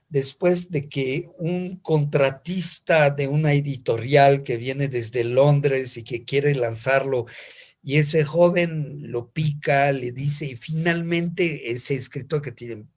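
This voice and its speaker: A man's voice: on the high side, slow pace. An older man, a native French speaker with a French accent, reflecting on personal stories in conversation and repeating words as he searches for them.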